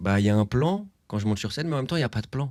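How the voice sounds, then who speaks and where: A man talking at a very fast pace. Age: 20s. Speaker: stand-up comedian. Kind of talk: interview answer.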